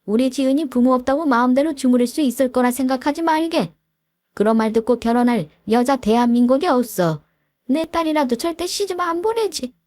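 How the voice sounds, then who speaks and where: A woman's voice: high voice, brisk, a little mellow, dry recording, studio quality, voice pushed up, lightly acted. A woman voicing a stern middle-aged uncle who scolds and gives orders in a story reading. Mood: scolding. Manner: scolding, commanding. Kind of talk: storybook voice acting.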